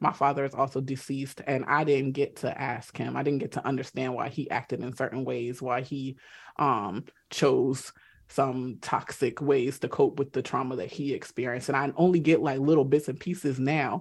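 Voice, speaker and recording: A moderate pace and fairly even intonation in an American accent, over a quiet background. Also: woman, very deep, low pitch for a woman. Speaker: psychiatrist. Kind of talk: radio call-in interview. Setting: studio.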